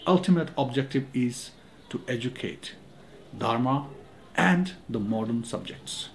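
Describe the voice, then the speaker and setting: A man's voice: mid-range voice, animated, a little slow, gravelly, slight background noise. A man, a monastery school administrator, earnestly explaining in a documentary interview with grammar. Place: office indoors.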